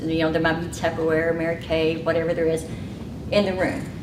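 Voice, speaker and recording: Fairly quick, fairly low-pitched speech from a woman, with audible room echo and noticeable background noise. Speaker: small business owner. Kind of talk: talk to an audience. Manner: fast.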